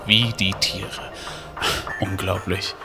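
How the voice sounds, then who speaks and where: Ein Mann spielt in einem deutschen Hörspiel einen sachlichen, nüchternen Kriminalbeamten. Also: male voice, sits low, level tone, takes it slowly, creaky, music in the background, full character voice. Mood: sober. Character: sober male police detective at a crime scene. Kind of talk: German audio drama acting.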